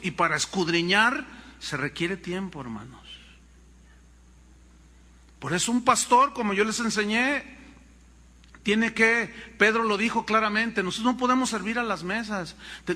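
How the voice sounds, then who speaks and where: A pastor with a Mexican accent preaching a sermon, telling stories with animation and calling the congregation brothers. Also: male voice, high-pitched, sharp tone, big-room sound.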